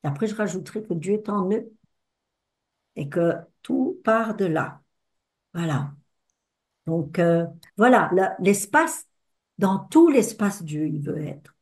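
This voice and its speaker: A woman's voice: mid-range voice, takes it slowly, long pauses. An older woman giving a personal testimony to an audience, telling stories expressively and acting out the dialogue. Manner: expressive storyteller who acts out the dialogue. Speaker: speaker at a talk with audience discussion.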